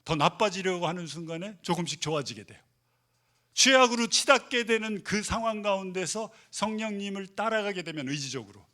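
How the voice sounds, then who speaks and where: A man pastor preaches with a bright, forceful voice pitched a little high. He asks the congregation one question after another, then drops to a hushed near-whisper before surging loud again. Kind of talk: sermon.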